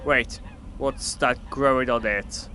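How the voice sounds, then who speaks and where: An actor playing a blunt, sarcastic and exasperated flying hero in an audio drama. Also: male voice, medium pitch, fairly even intonation, slow pace, pushed and bright, a little hiss or hum. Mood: musing, incredulous. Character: exasperated sweary flying hero, stranger from Earth. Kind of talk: scripted audio drama acting.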